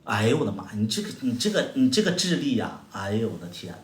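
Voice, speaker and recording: A man with a Northeastern Mandarin accent hosts a livestream, trading mocking, combative comebacks with viewers. His pitch leaps up and down with lively animation, and his voice rings out in a roomy, echoey space. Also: fast. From Heilongjiang, China. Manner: sarcastic, combative, mocking retorts with exaggerated exclamations. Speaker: livestream host. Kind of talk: casual livestream chat answering viewer comments. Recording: echoey room sound.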